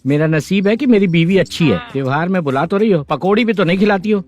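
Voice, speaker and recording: A man's voice: high voice, expressive, fast, a little mellow, faint music behind. A man dubbing an irritable son-in-law in a film, grumbling and sarcastic.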